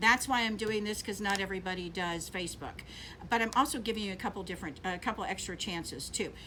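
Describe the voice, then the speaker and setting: Very fast, bright and sharp female voice at a medium pitch with ordinary pitch variation. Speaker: sewing and quilting business owner. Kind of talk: tutorial.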